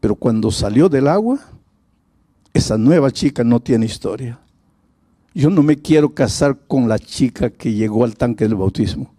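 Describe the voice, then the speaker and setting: A man's voice: mid-range voice, expressive, normal speed, warm tone, no echo, studio quality. A male pastor preaching a sermon, telling a story in a dramatic way.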